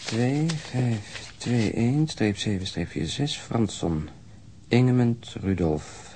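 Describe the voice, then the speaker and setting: An actor playing a practical, dryly sardonic police detective with a clipped manner, in a radio drama. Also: male voice, mid-range voice, lively intonation, slow, background noise. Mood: matter-of-fact. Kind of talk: Dutch radio crime drama acting.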